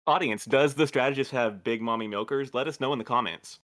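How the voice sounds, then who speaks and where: A man's voice: mid-range voice, a little fast, fairly bright tone. A man in a podcast cast, chatting casually and cracking jokes. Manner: joking. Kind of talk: casual panel chat.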